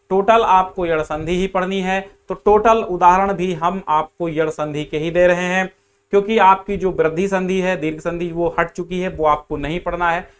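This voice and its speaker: A man's voice: fairly high pitch, clean tone. A man teaching grammar in an online exam-prep class, explaining step by step and repeating the key answers.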